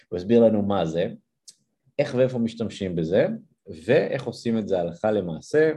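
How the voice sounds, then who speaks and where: Male podcast host, Israeli accent, dark husky low voice, conversational interviewing.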